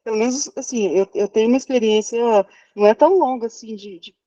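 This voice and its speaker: A woman psychologist speaking in a casual group discussion, polite and hedging gently. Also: a little high, quick pace, dry recording, dull audio.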